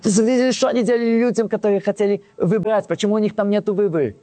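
Man retelling a story, slightly high voice. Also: racing. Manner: animated retelling that acts out quoted dialogue; frequent restarts and self-corrections. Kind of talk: casual personal anecdote.

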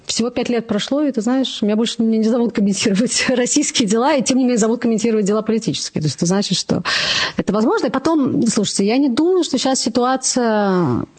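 A woman's voice: a little high, quick pace, a little mellow, breathy edge. A woman from Moscow, a political journalist, speaks reflectively as a podcast guest, choosing her phrasing carefully with qualifiers. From Moscow-born, living in Israel. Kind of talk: reflective conversational interview.

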